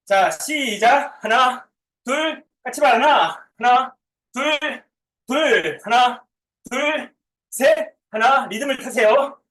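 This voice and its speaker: A woman's voice: high-pitched, expressive, slow pace, fairly bright tone. A woman working as a gym coach, leading a group workout with counted reps and short commands. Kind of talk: live workout class with counted reps and cues. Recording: echoey room, far from the mic.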